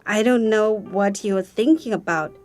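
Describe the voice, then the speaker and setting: A woman's voice: mid-range voice, a little slow, a little mellow, soft background music, natural voice. A woman acting as a protective, evasive middle-aged aunt who runs a flower shop, blunt and teasing in clipped phrases, in an audio drama. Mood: prodding.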